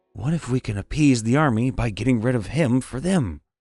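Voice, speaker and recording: A put-on character voice with lively intonation at a fairly quick pace. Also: man, medium pitch for a man. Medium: read story. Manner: hushed.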